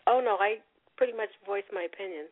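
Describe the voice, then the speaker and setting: A woman's voice: mid-range voice, fast, breathy edge. A woman calling in to a psychic, asking plain, matter-of-fact questions. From California. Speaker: caller. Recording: tinny phone line.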